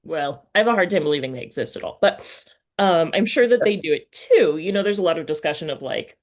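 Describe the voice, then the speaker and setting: A woman hosting a casual interview, thinking aloud in a halting way and often correcting herself. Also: low-pitched, lively intonation. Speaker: podcast host interviewing an author.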